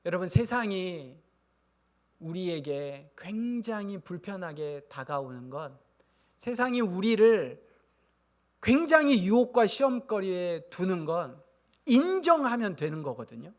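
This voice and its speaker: High, animated Korean man preaching. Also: a little slow. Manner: animated preaching, acting out quoted inner voices. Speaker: pastor. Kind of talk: sermon. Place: church sanctuary.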